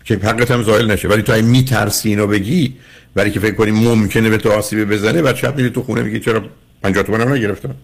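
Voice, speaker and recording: Gravelly-voiced older man lecturing callers. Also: lowish voice, steady tone. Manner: lecturing, emphatic, repeats "dear". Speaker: psychologist radio host. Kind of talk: radio call-in advice. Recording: radio call-in broadcast.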